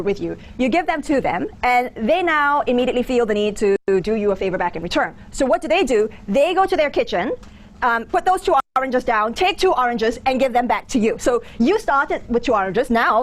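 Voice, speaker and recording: A woman in her thirties with a mixed Singaporean and American accent, giving an informal, conversational lecture. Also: on the high side. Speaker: business school lecturer. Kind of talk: interactive lecture with anecdotes. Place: lecture theatre with audience. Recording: background noise of a lecture room.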